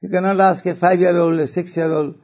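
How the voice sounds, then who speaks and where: An older man with a South Asian accent gives a religious talk to an audience, phrasing deliberately and dropping in Urdu and Arabic phrases. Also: high voice, flat delivery, darkish tone, muffled recording. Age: older, 70s or above. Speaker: religious speaker.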